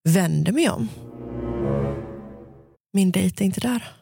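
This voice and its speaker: A woman's voice: medium pitch, vocal fry, over music. A young woman chatting casually on a podcast, retelling a story through lots of quoted dialogue and slipping English phrases into her Swedish.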